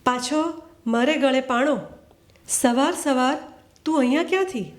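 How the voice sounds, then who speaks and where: A stern older mother in a storybook, read by a woman, scolding with blunt impatience. The voice sits high. The reading stays close to the reader's own voice. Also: a little slow.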